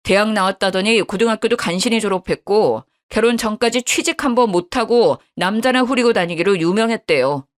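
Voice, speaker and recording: A woman voicing a betrayed young husband who scolds his wife harshly in a lowered voice. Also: fairly quick, few pauses, natural voice. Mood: angry. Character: angry betrayed young husband, cold and blunt.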